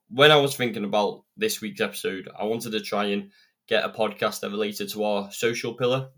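A young man with a fairly low voice talks into a podcast microphone, earnest and chatty in a loose, rambling way. He sounds slightly croaky and sniffly, as if nursing a cold. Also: a bit bright. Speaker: podcast host. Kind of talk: solo self-improvement podcast monologue.

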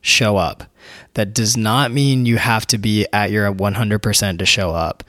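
Young male podcast host, low and hoarse, earnest and encouraging, dry close sound. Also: steady tone, a little slow, a bit bright, no echo. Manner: earnest, encouraging, talks straight to listeners. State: hoarse, recovering from illness. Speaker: podcast host, physical therapist. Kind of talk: casual motivational monologue.

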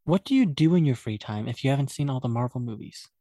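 A man's voice: medium pitch, expressive, quick pace, warm tone, dry recording, clean studio sound. A man co-hosting a podcast over a video call, chatting casually and teasing his co-host, speaking English as a second language. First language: not English. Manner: teasing, playful, laughs often. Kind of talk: casual chat.

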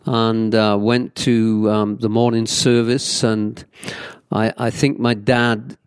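A man's voice: fairly low pitch, level tone, takes it slowly, clean tone, dry recording, studio quality. A man in his seventies with a Welsh accent, a pastor telling his life story in an interview in an earnest, reflective way with many fillers. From Wales. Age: 70s.

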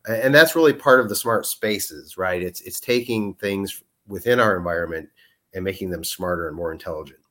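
Lower-pitched male guest, hesitant and filler-heavy explainer. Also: a little fast, sharp tone. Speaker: guest, product manager. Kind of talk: podcast interview.

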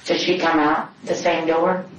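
A woman police detective questioning a suspect calmly, repeating his answers back to probe further. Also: sits low, moderate pace, slight background noise. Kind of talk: interrogation questioning. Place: interrogation room. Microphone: far room camera. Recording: echoey room from a distant camera.

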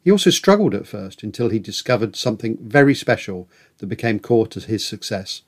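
A man's voice: lowish voice, big pitch swings, fairly quick. A man hosting a podcast interview, asking questions with hesitant starts and repeated words. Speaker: podcast host.

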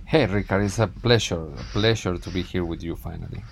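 A film director born in Spain and raised in Argentina, talking casually as a guest with many restarts and fillers. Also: male voice, low voice, a little fast, vocal fry, a little hiss or hum. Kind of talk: casual interview talk.

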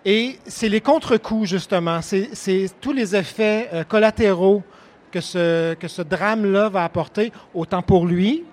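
A man with a high voice interviews a guest on a book fair stage. He halts often and fills his gaps with fillers. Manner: many fillers, halting. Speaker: bookseller and literary host. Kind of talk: hesitant interviewer.

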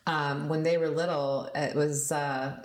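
A woman's voice: low-pitched, little pitch movement, a little slow. A woman in her forties, a realtor interviewing a guest in a casual, chatty way, often affirming with short replies. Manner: chatty, affirming with frequent mm-hmms. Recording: echoey room.

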